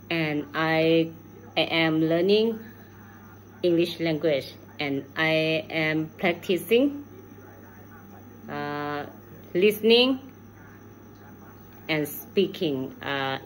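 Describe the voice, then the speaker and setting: A middle-aged woman with a Thai accent records an informal video message on her phone at home. Her voice is low, and she speaks extremely slowly, hesitating as she hunts for words in learner's English. Clear background noise runs behind her. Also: rough recording. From Thailand. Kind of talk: unscripted spoken video message. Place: room at home, indoors. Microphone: phone at arm's length.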